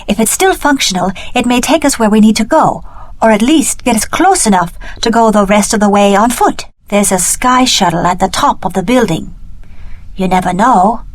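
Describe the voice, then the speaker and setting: A woman voicing a serious, determined young heroine in a video game, with a deliberate and earnest delivery. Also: mid-range voice, lively intonation, close to an everyday voice. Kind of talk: scripted video game character dialogue.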